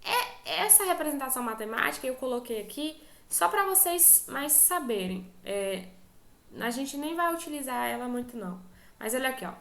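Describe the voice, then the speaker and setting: A woman's voice: high voice, animated, moderate pace, vocal fry, fairly bright tone, echoey room. A woman teacher with a Brazilian Portuguese accent, giving an online class lecture and patiently explaining step by step while checking in with her students.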